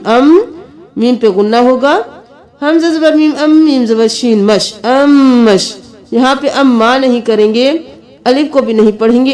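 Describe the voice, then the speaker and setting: A woman's voice: sits high, a little mellow. A woman teaching Quran recitation, patiently spelling out letters and vowel marks one by one, then chanting the verses melodically. She has an Urdu-speaking South Asian accent. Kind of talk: step-by-step tajweed lesson with chanted recitation.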